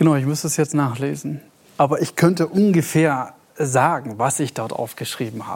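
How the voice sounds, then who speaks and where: Here a man talks at a moderate pace, fairly high in pitch. His pitch variation is ordinary. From northern Germany, Bremen. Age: 30s. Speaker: car accident survivor with amnesia. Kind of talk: talk show interview. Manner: halting.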